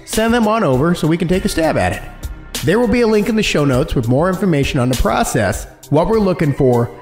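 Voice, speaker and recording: High-voiced theatrical man hosting, echoey room. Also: a little mellow. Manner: playful, theatrical. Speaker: podcast host. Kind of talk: theatrical horror podcast hosting.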